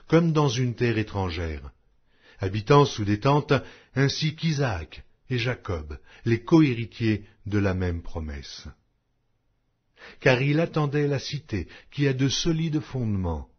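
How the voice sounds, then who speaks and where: A man reading scripture aloud as a formal audiobook narration, in a solemn, measured, declamatory way. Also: medium pitch, husky, lo-fi sound.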